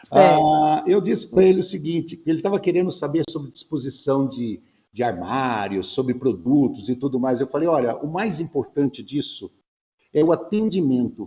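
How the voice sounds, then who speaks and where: A man talks with lively intonation at a moderate pace. He has a plain, everyday voice. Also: fairly high pitch for a man. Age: 60s. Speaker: TV show host. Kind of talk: interview.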